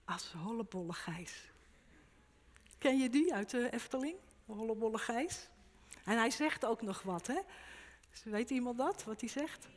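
Woman preacher, sermon, short repeated emphatic phrases, fairly high voice, long church reverb. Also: expressive, a little slow. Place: church service.

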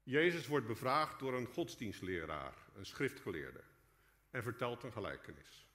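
A man preaches a reflective sermon, turning to the congregation as he goes. His voice is bright and forward, and a long cathedral-like echo rolls behind every phrase in the church. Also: mid-range voice, sing-song, normal speed. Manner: reflective, addresses the congregation directly. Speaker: lay preacher. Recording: long echoing church reverb.

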